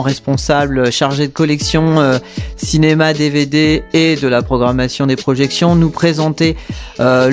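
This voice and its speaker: A man hosting a library radio show, presenting the program with many hesitations and self-corrections. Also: fairly high pitch.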